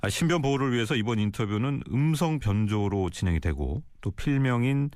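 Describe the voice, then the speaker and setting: A man's voice: medium pitch, animated, fairly quick, a little mellow, dry recording, clean studio sound. A man hosting a formal radio interview, asking questions in an orderly, polite broadcast manner.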